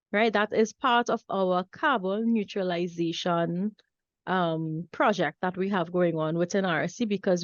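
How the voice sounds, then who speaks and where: Over a quiet background, a woman with a strong Trinidadian accent speaks at medium pitch with ordinary pitch variation. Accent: thick Trinidadian. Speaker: online course instructor. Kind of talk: online class lecture. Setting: video call.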